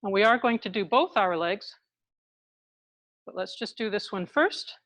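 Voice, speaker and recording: A woman leading an exercise class through a face mask, talking calmly step by step as she demonstrates each move. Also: medium pitch, unhurried, no echo. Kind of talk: live exercise instruction, demonstrating while explaining. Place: indoors in a hospital building.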